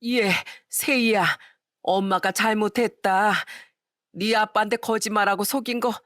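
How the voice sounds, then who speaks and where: A woman's voice: medium pitch, fairly even intonation, unhurried, a bit bright, no room sound, studio quality, pitched above the performer's own voice, lightly acted. A woman voicing a scheming middle-aged stepmother-in-law begging not to be divorced or sent away. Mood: pleading. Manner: pleading, coaxing.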